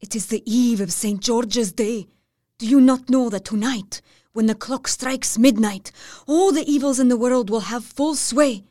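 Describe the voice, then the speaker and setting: A woman's voice: a little high, a little slow, mellow, no room sound, studio quality, lightly acted. A woman playing an anxious, superstitious old innkeeper's wife in an audio drama, pleading and ominous. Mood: fearful warning.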